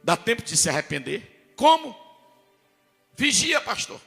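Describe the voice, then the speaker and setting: A man's voice: very high voice, sing-song, unhurried, vocal fry, bright, forceful tone, in a large hall, soft background music. A man preaching a testimony, telling his story emphatically and acting out the other people's voices. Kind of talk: testimony sermon.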